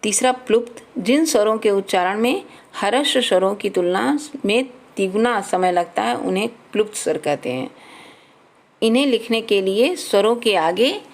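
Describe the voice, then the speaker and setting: A woman's voice: medium pitch, expressive, moderate pace. A woman teaching a children's grammar lesson, reading out letters and example words one at a time.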